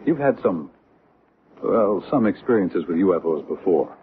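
An actor playing an earnest, open-minded doctor and UFO researcher in a conversational radio drama style. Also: male voice, low-pitched, lively intonation, normal speed. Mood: casual, probing. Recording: muffled, noisy old radio recording.

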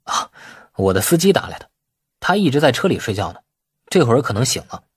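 A narrator acting out a shrewd male company boss in an audiobook novel. His voice is husky and medium in pitch, and he feels his way carefully through each exchange. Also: very animated, brisk, no room sound, studio quality. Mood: evasive. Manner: tentative, probing. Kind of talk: audiobook dialogue.

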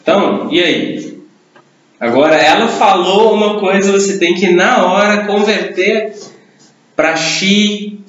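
Brazilian man teaching, fairly high voice. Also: slow, a bit bright, a little hiss or hum. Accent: Brazilian Portuguese. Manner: encouraging, guiding questions. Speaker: English teacher. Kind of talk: classroom conversation. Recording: echoey dull room recording.

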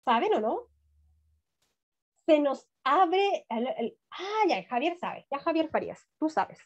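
A woman's voice: high voice, very animated, takes it slowly. A middle-aged woman teaching young children an online class, encouraging and full of questions. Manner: encouraging, asks many questions. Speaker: primary school teacher. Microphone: video call. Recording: dull lo-fi video call audio.

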